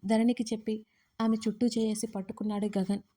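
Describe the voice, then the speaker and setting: A woman storyteller reading a dramatic audio story in a steady, scripted narration. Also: a little high, brisk, a little hiss or hum.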